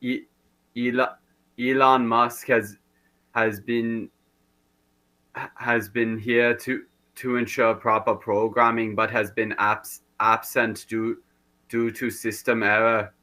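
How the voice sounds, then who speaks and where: A man doing a rusty glitching cyborg, flat and slow. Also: mid-range voice, pitched above the performer's own voice, rough recording. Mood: robotic. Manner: stuttering like a malfunctioning robot, flat monotone. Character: glitching male cyborg assistant, stiff and deadpan. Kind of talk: comedy sketch role-play.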